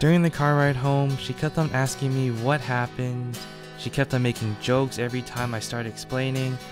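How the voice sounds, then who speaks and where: A man talks at a fairly quick pace and a medium pitch. His intonation is monotone and flat, with music in the background. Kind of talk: personal story narration.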